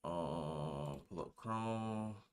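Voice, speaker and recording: Extremely slow and low, with a clean tone, this nineteen-year-old livestreamer drifts through laid-back, slangy chatter with his viewers as he sets up. He's a gamer who also produces reaction videos.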